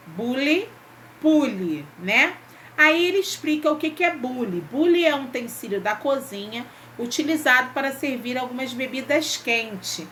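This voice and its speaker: A woman's voice: on the high side, sharp tone, a little hiss or hum. A woman teacher, patiently guiding young pupils through a textbook exercise and often checking in with short questions. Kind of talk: remote Portuguese lesson, reading a textbook exercise.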